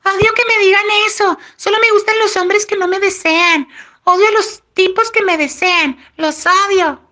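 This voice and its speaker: A man imitating a disdainful young woman in a mocking falsetto. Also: steady tone, moderate pace, pushed and bright, heavily acted. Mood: scornful. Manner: mocking, shrill.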